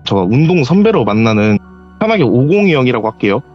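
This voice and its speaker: Animated man telling a ghost story by phone. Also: fast talker, muffled recording, faint music behind. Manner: animated, acts out quoted voices with sharp pitch jumps. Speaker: caller telling a personal story. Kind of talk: call-in horror storytelling. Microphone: voice call.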